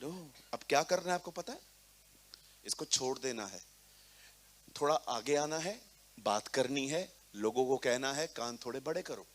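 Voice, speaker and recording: A man preaching a sermon to a congregation, animated and acting out little scenes, mixing English words into his talk, speaking into a microphone in a church hall. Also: medium pitch, a little slow, pauses often. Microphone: handheld microphone.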